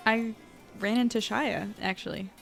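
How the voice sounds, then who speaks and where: An actress playing an earnest, slightly uncertain newspaper reporter, talking in a natural, conversational way. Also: female voice, fairly high pitch, steady tone, a little slow, gravelly, soft background music. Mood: casual, guarded. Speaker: young reporter. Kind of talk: naturalistic audio drama acting.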